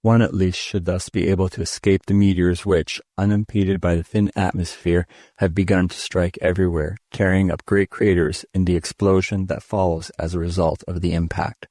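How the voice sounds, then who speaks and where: A man with a very low voice reads a classic science fiction story in a steady, measured way. The sound is dry and close, with no room around it. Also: no echo. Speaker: audiobook reader.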